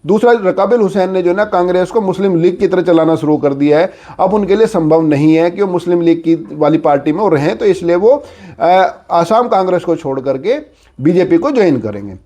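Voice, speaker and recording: A man's voice: sits high, expressive, fairly quick, mellow. A man giving informal political news commentary, explaining conversationally with repeated filler phrases.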